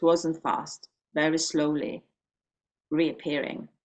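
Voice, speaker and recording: In a quiet background, a woman speaks fairly slowly with a fairly low pitch. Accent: Polish. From Poland. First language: Polish. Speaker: singer-songwriter and dance teacher. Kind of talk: podcast interview.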